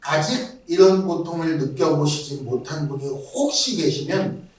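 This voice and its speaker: A man's voice: on the high side, a little slow, distant mic. A man preaching a revival sermon as a guest pastor, acting out mocking voices of others. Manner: animated, acts out mocking voices. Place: church sanctuary. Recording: very echoey church from afar.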